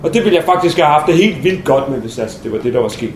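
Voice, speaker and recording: A man's voice: fairly high pitch, expressive, natural voice. A young man acting a brash, shaken male soldier in a theatrical monologue, coarse and restless, in a roomy space with faint noise. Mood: agitated.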